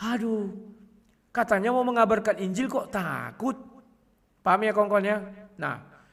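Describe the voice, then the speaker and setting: A man speaking casually to his viewers in a combative way, often clearing his throat. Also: high-pitched, lively intonation, moderate pace, a bit bright, big-room sound. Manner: combative, addresses listeners as "kawan", frequent throat clearing. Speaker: online video host.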